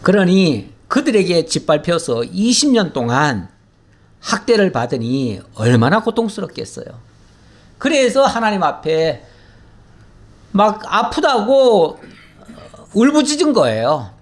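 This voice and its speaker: Middle-aged pastor guy, casual bible teaching, high voice that jumps all over, acts out little prayers. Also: big pitch swings, measured pace. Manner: folksy, acts out prayers in a pleading voice, laughs often. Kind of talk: conversational Bible teaching sermon.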